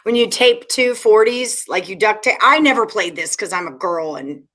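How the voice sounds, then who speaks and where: Chatty, bright-voiced Texan woman host. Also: mid-range voice, expressive, normal speed. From Texas. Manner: chatty, joking, laughs easily. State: a bit tipsy after a couple of beers. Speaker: podcast host. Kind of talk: casual late-night betting chat.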